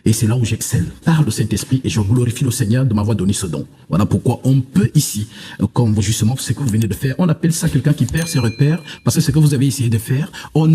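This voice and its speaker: A man's voice: medium pitch, mellow. A man from Africa speaking as a preacher in a televised religious debate, with a self-assured, boastful and dismissive manner.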